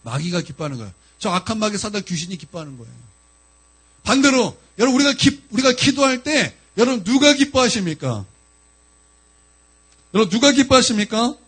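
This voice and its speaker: A man's voice: high voice, big pitch swings, a little fast, a bit bright, breathy edge. A man preaching a sermon as a pastor, emphatic and often turning to the congregation directly.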